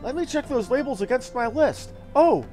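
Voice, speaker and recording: A man's voice: extremely high pitch, expressive, normal speed, a little mellow, soft background music, voice pushed up. A man voicing a small, flustered, bossy young lady from a video game, chatty and gushing as he reads the dialogue aloud. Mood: flustered, relieved. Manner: fussy, gushing, exclaiming.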